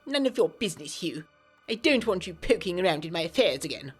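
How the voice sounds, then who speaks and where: Woman voicing an imperious, creaky upper-class man. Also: on the low side, sing-song, brisk, faint music behind. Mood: curt.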